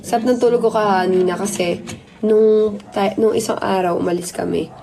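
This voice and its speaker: A hoarse woman hosting a casual live stream into her phone, chatting affectionately with viewers and mixing Tagalog with English. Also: medium pitch, fairly even intonation, normal speed, warm tone, low-quality recording. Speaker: livestream host.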